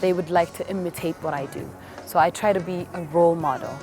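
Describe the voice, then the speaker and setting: A woman's voice: on the low side, fairly even intonation, fast talker, over loud music. A woman singer from Ethiopia, speaking earnestly in a documentary interview.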